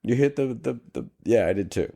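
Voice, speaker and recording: A man's voice: mid-range voice, brisk, gravelly. A man co-hosting a podcast, chatting casually about films and acting out lines. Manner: animated, acts out film lines in funny voices. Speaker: podcast co-host. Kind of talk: casual chat.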